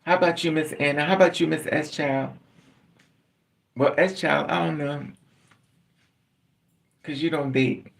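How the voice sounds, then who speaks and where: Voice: mid-range voice, fairly even intonation, measured pace, vocal fry, pauses often. A middle-aged livestream host chatting casually and candidly with viewers, laughing often and calling on them by name.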